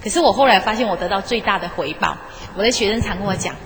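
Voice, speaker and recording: In an echoey lecture hall with faint background noise, a woman who used to teach delivers a live motivational talk. Her medium-pitched voice is fast and a bit bright. She coaxes the crowd in a chatty way and frequently asks them questions.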